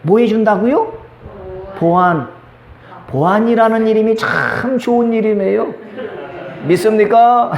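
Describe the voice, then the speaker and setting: A male pastor preaching a Sunday sermon in a lively way, acting out little dialogues. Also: high voice, measured pace, gravelly, pauses often, echoey room. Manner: lively, acts out quoted dialogue. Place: church sanctuary.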